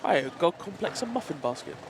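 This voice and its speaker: A man co-commentating live roller derby on a headset, easygoing and quick with banter. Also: a little high, lively intonation, gravelly, background noise.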